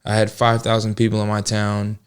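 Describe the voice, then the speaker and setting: Brisk and smooth, a lowish male voice delivers everything completely flat. He's an American in his twenties from Georgia, co-hosting a casual relationship podcast with plenty of joking and chatter.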